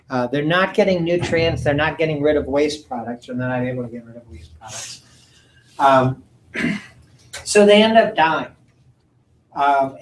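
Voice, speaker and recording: A man giving a recorded lecture from slides, halting often with ums and uhs and clearing his throat. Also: fairly high pitch, slight background noise, poor audio. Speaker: college lecturer.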